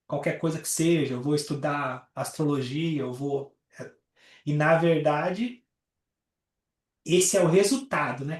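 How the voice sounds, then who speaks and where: Man explaining astrology on a video call. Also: a little high. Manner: explains with everyday examples, many fillers like "né". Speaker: astrologer leading a study group. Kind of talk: casual teaching talk. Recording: roomy, distant from the mic.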